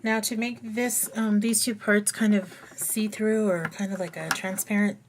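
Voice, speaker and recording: A woman's voice: medium pitch, steady tone, normal speed, slight background noise. A woman with a slightly froggy voice, chatting casually and thinking aloud as she demonstrates a coloring technique in a voice-over. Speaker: coloring tutorial host.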